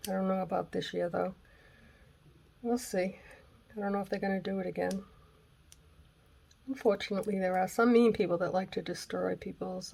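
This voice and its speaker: A woman with a raspy voice hosting a casual craft tutorial at home, thinking aloud and sometimes dropping to a whisper as she works. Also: on the low side, a little mellow. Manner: chatty, thinking aloud while working, drops to whispers. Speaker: craft channel host. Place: home craft room on a gray day. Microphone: camera mic, moves close and away while working.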